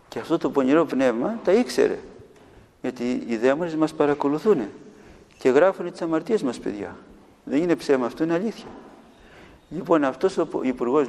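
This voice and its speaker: A man with a fairly high voice preaches to a group of children and tells them a story, animated and full of questions to his listeners. His voice hangs in a long hall reverb.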